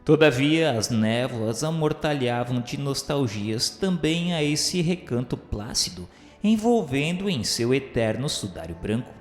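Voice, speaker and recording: Male narrator, Brazilian, measured and literary radio storytelling, heavy echo over a music bed. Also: mid-range voice, animated. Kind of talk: scripted dramatic radio narration. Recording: echoey hall reverb under music.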